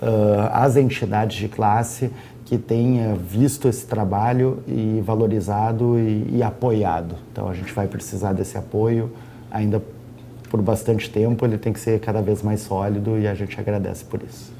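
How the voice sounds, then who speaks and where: A man's voice: on the low side, steady tone, normal speed, creaky, dark tone, a little hiss or hum. A man speaking as a tourism director guest on a studio talk show, fluently listing regional events and attractions. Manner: promotional, fluent, listing facts.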